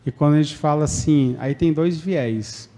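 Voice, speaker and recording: Brazilian male lecturer in his thirties, conversational sermon style, slightly high, mellow tone. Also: moderate pace. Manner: conversational, acts out quoted lines, frequent "né?" tags. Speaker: spiritist lecturer. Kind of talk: public talk on forgiveness. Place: spiritist centre lecture hall.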